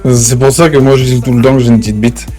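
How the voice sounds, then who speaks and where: A man's voice: mid-range voice, fairly even intonation, quick pace, mellow, soft background music. A man chatting casually and jokingly in slang as he streams an online roleplay game. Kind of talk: casual gaming banter.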